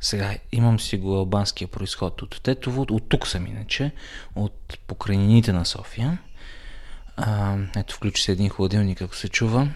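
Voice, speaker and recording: Speaking with an ordinary speaking voice, this man keeps a medium speed and a fairly low pitch. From North Macedonia (Skopje, Albanian roots from Tetovo). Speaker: podcast co-host, radio presenter. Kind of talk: casual chat.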